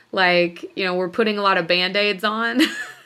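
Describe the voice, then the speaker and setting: With an American accent, a woman has a plain, everyday voice at a medium pitch, speaking at a fairly slow pace with ordinary pitch variation. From Georgia, US South. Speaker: high school English teacher. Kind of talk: podcast interview.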